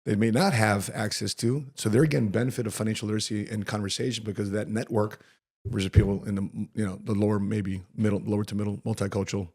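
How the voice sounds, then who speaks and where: Brief: low-pitched man hosting a podcast, quick and upbeat, winding through his questions. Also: steady tone, darkish tone. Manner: rambling, many fillers and restarts, upbeat. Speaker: podcast host. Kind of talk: casual podcast interview.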